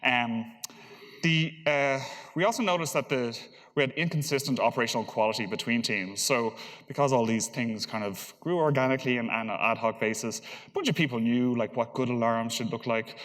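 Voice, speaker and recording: A man's voice: medium pitch, fairly bright tone. Man presenting in a reverberant hall. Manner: hesitant, halting delivery with repeated words. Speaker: conference speaker, engineer. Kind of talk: informal technical conference presentation. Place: large conference hall, on stage.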